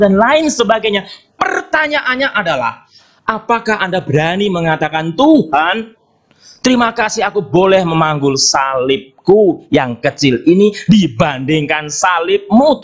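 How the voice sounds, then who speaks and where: A man in his fifties, a Catholic priest preaching a sermon at Mass and telling a story, often calling out to his listeners. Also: high-pitched. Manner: storytelling, addresses listeners often as brothers and sisters. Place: church during Mass.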